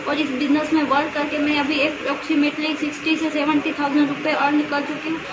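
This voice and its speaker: A young woman from Kutch speaks in a high, level voice at a steady pace. She sounds echoey, with clear traffic and vehicle noise behind her. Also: a little fast, highs cut off. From Kutch, Gujarat, India. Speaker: network marketing member. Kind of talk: testimonial self-introduction.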